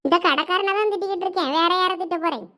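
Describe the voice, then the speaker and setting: A woman's voice: very high voice, rapid-fire. A woman with a Thoothukudi Tamil accent performing a village comedy skit, complaining and gossiping.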